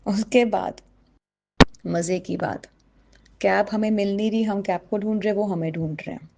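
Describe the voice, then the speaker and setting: A woman's voice: mid-range voice, steady tone, moderate pace, vocal fry, heavy background noise. A woman speaking with a tinge tells her own devotional story to a gathered congregation. She is earnest and personal, and she keeps turning to her listeners to address them directly as she goes. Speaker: devotee sharing a testimony. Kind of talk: spoken personal testimony to a congregation.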